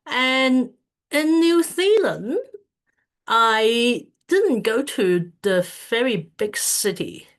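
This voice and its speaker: A woman's voice: fairly high pitch, animated, drawn-out words. A woman from Hong Kong giving a casual talk over a video call, hesitant and full of fillers and restarts. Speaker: speaker at an online community event.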